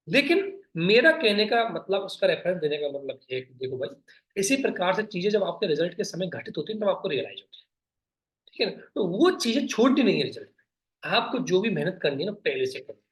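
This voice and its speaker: A man's voice: sits high, a bit bright. A man coaching exam students on strategy, talking straight to his viewers and coaxing them along with frequent check-ins. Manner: direct, coaxing, keeps checking in with listeners. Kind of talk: exam strategy advice talk. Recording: roomy echo.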